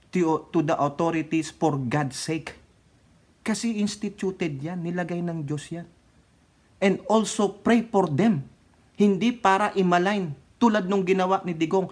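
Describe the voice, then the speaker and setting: A man with a slightly high voice delivers opinionated vlog commentary. He is scornful and chuckles often, dropping into mutters before he bursts out loud. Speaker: political vlogger. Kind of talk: opinionated commentary mixed with Bible storytelling.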